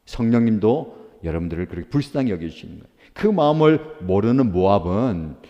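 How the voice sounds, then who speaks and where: Male pastor, low warm voice, earnest preacherly delivery, poses questions and answers them, long church-hall reverb. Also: expressive, a little fast, lo-fi sound. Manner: asks rhetorical questions and answers them himself. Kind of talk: daily devotional sermon.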